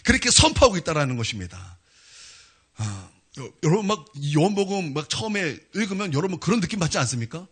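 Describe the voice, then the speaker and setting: A man's voice: a little high, very animated, fast talker, fairly bright tone, slightly rough. A man preaching a sermon as a pastor. He tells stories casually and with humor, using many fillers, and builds to emphatic declarations.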